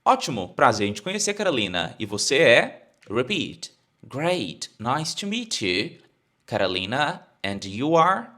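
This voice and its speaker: A Brazilian English teacher with a Brazilian Portuguese accent, lively and bright in tone. He talks slowly and repeats each phrase so learners can copy it. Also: mid-range voice. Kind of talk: explaining an English lesson.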